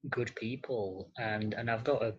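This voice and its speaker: A man talking casually as an interview guest, hesitant and halting, with an understated way of speaking. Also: lowish voice, fairly even intonation, slightly rough, lo-fi sound. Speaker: podcast guest, model and actor.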